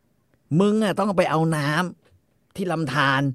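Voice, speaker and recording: A man's voice: on the high side, lively intonation, moderate pace, no room sound, studio quality, voice pushed up. A man voicing a boastful, arrogant Texas ranger who talks down to others coarsely. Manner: bragging, scornful, coarse.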